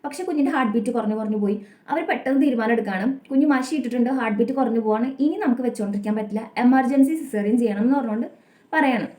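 A young woman vlogger with a Malayali accent and a higher-pitched, dark-toned voice tells a personal story to camera. Her telling is earnest, rapid and confessional, frequently tagged with "kettō," and the room sounds echoey.

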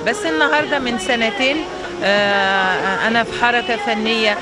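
A woman's voice: fairly high pitch, moderate pace, loud music behind the voice, rough recording. A woman from Egypt with an Egyptian Arabic accent, a singer chatting in an interview outdoors, hesitant and full of fillers and restarts. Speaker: singer and guest. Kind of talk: casual interview chat. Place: outdoors by a fountain in a city square. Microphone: handheld microphone.

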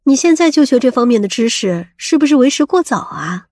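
A woman playing a sharp-tongued, suspicious woman in an audiobook, scolding and probing. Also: high-pitched, big pitch swings, brisk, dry recording, studio quality. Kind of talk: audiobook character acting.

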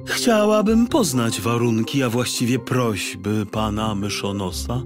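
Storybook female president acted by a male reader: courteous, authoritative, measured, animated intonation. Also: medium pitch, over music, lightly acted. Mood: gracious. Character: commanding, courteous female president of a magic city.

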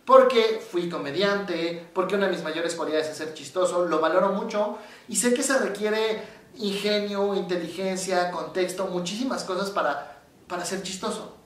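A man's voice: high-pitched, normal speed, distant mic. A man with a Mexican accent, a psychologist, explaining in casual talk and acting out the voices in his stories. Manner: animated storyteller, acts out quoted voices. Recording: very echoey room, voice from off the mic.

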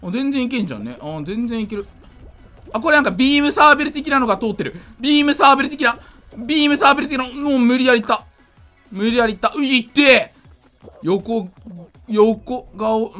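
Drunk, high-voiced man rambling over a game. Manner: drunk, rambling, slightly slurred; excitable, repeats himself. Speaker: gaming video creator. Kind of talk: casual gameplay commentary.

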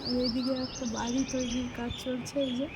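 A woman's voice: high voice, flat delivery, brisk. Chatty woman vlogger, noisy phone audio. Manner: chatty, points things out to viewers. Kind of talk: casual home tour vlog. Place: new flat and surroundings in a city, indoors and on a balcony.

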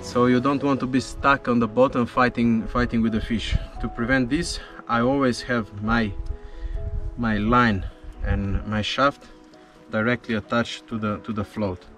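A man's voice: mid-range voice, steady tone, unhurried, a bit bright. Man explaining gear on a boat. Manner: non-native English with small slips, patient explaining. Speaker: spearfishing vlogger. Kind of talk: casual explanation to camera. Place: small wooden boat on the sea, outdoors. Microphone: camera on the boat. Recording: music underneath.

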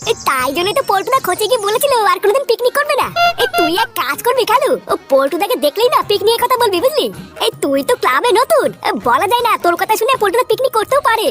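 A man's voice: very high-pitched, sing-song, fast talker, over music. A man voicing a chatty, gossipy club friend in a comedy cartoon.

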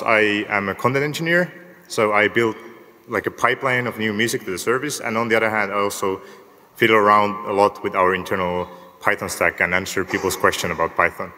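A man from Finland, giving a relaxed, lightly joking technical talk at a lectern in a large conference hall. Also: on the low side, moderate pace. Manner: relaxed, lightly joking, asks the audience show-of-hands questions. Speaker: conference speaker. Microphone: lectern microphone. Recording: long hall reverb, from the lectern mic.

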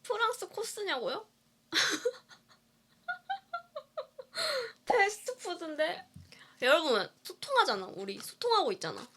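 Giggly woman streaming and eating, bright high voice, chatting with viewers. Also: wildly swooping pitch, takes it slowly, pauses often. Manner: playful, giggly, answers viewer comments. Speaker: indie singer live-streaming. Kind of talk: casual livestream chat while eating.

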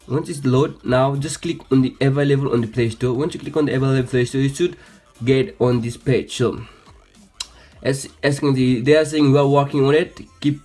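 A tech tutorial host with a mid-range, darkish voice runs a casual how-to screen demonstration on a phone. He hesitates, stumbles often and repeats his phrases as he goes. Music plays behind him, with some background noise.

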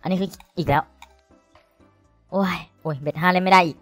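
A man giving excited, crude commentary while streaming a slot game, cursing and pleading at the screen. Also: sits high, brisk, dry recording, soft background music.

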